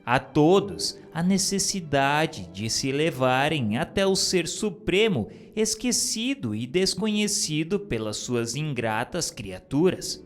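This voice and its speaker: A man reads in a slow, unhurried cadence, his voice sitting a touch higher than most men's. His delivery is solemn and deliberate, each phrase weighed, with soft instrumental music far in the background. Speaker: reader of a spiritist book. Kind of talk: scripted solemn reading.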